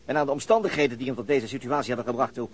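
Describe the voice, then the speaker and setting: An actor playing a troubled, conscientious police detective, earnest and brooding, in a radio drama. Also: male voice, medium pitch, steady tone, very fast, slightly rough, lightly acted. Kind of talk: Dutch radio drama acting.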